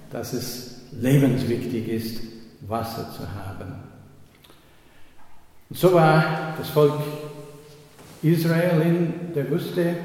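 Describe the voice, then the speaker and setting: A man from Australia, giving a sermon as a pastor in slow, measured speech with occasional slips. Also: mid-range voice, a little mellow. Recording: echoey church hall, long reverb.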